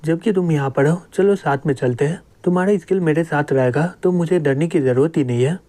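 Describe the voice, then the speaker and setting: Man reading a threatening young security chief; mellow tone, a touch high. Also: fairly quick, lightly acted. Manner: blustering, threatening.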